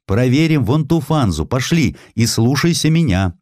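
A man voicing a confident, bossy young female medic with a brisk, assertive manner. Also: medium pitch, very animated, a little mellow, no echo, studio quality, voice pushed up, lightly acted. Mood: brisk, commanding.

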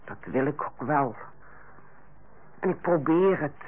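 Radio drama role: strict, fussy ward sister, high animated delivery, husky edge, dull old recording. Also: female voice, slow pace, heavily acted. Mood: defensive. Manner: bossy, precise, matter-of-fact. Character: strict, fussy senior hospital nurse, Carla, on holiday. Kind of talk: old Dutch radio play acting.

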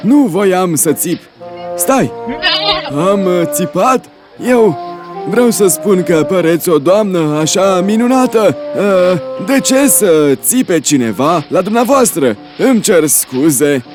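A cheerful old man in a cartoon, with a high voice that leaps up and down. He talks eagerly and politely, and soft music plays behind him. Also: expressive. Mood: excited, pleading. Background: background music.

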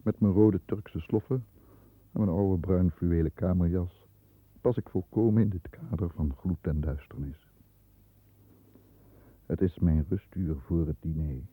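An actor playing a stern, disdainful middle-aged lawyer who narrates his own thoughts in a measured way in a 1960s radio drama, heard on a muffled old recording. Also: sits low, breathy edge, no room sound. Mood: reflective, severe. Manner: measured, introspective first-person narration.

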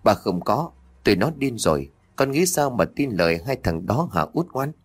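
A man's voice: medium pitch, very animated, moderate pace, slightly rough. A man voicing a stern, middle-aged father who scolds harshly. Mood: angry.

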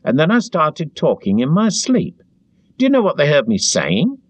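A man voicing a frightened, servile middle-aged man who pleads eagerly in a high, strained voice. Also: wildly swooping pitch, normal speed, no echo. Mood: feverish. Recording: dull dry lo-fi recording.

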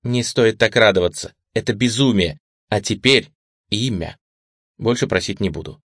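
A man's voice: fairly low pitch, normal speed, a bit bright, no room sound, studio quality. A man reading an audiobook and voicing a hard, sarcastic female agent who gives orders in a cold, mocking tone.

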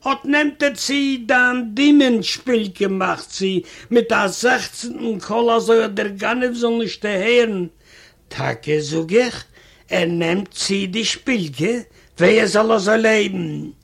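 Guy reading a funny story out loud, really high voice, slow and unhurried. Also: gravelly. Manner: chatty, repeats "I say" as he retells a quarrel. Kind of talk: reading a comic first-person story aloud.

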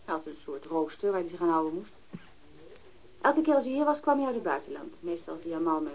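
An actress playing a blunt, wary and mocking bohemian sculptor in a radio drama. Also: female voice, lowish voice, very animated, a little fast, slight background noise. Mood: frank, matter-of-fact. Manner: blunt, challenging. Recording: dull lo-fi old radio recording.

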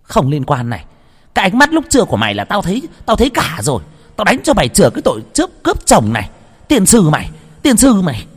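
Man doing a high, shrieking spoiled young mistress, vicious and petulant, in a reverby narration. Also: very animated, moderate pace. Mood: furious. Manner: screeching, cursing, whiny.

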